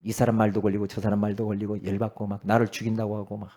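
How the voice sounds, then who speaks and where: A middle-aged male pastor preaching, emphatic, swinging from loud exclamations to low asides and quizzing his congregation. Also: level tone, very fast. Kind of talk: sermon.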